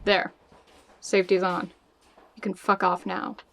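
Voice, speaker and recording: A woman's voice: fairly low pitch, little pitch movement, a little slow, vocal fry, fairly bright tone, slight background noise. A woman playing a hard-drinking, sardonic spy in an audio drama, blunt and brash, grieving a lost love. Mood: threatening. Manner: sardonic, blunt, foul-mouthed.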